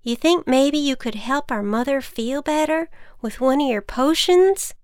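A woman's voice: high-pitched, a little slow, no echo, studio quality, pitched above the performer's own voice. A woman voicing a hopeful, eager little farm boy in a children's storybook. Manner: hopeful, pleading.

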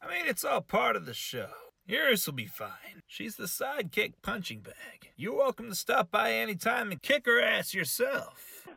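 A man's voice: sits high, big pitch swings, normal speed, gravelly, bright, forceful tone, slightly rough, no room sound, clean studio sound. A man hosting a comedy podcast, bantering with a guest in a sarcastic, mock-insulting way. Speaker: podcast host.

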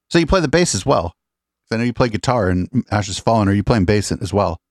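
A man's voice: fairly low pitch, big pitch swings, brisk, no room sound, studio quality. A man hosting a podcast interview, chatting loosely with restarts and casual swearing. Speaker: podcast host.

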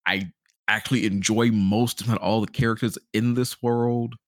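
A man co-hosting a podcast, giving a casual game review in an animated storytelling way, acting out reactions. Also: lowish voice, moderate pace, no echo, studio quality. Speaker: podcast host.

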